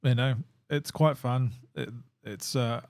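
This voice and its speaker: A hoarse man, hosting a casual solo podcast and rambling with many fillers and restarts. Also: mid-range voice, slow pace, a little mellow, dry recording, studio quality. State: hoarse, losing his voice. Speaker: podcast host. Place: home.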